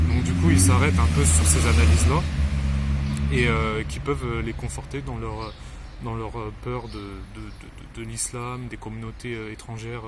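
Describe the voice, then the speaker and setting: Male commentator, mid-pitched, halting delivery full of fillers and restarts, noisy background hiss. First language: not Arabic. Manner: hesitant, many fillers and repeated words. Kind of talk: unscripted spoken commentary.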